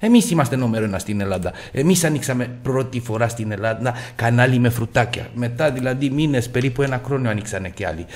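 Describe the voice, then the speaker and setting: A man from Greece, medium-pitched and expressive, rattles off casual, cocky slot commentary with hardly any pauses. He swears freely and shouts at the spinning reels.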